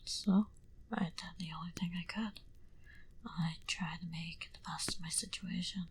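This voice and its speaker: A woman playing a wistful female vampire in an ASMR roleplay, confiding her backstory in an intimate, breathy whisper. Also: fairly low pitch, steady tone, a little hiss or hum. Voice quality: breathy, mostly unvoiced whisper. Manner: slow, intimate, confiding delivery.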